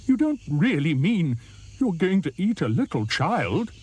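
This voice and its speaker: A man's voice: fairly high pitch, huge pitch swings, moderate pace, warm tone, slightly rough, voice pushed up, exaggerated voice. A man voicing a fussy, disapproving male hippopotamus who talks in a raised, scolding tone. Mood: shocked.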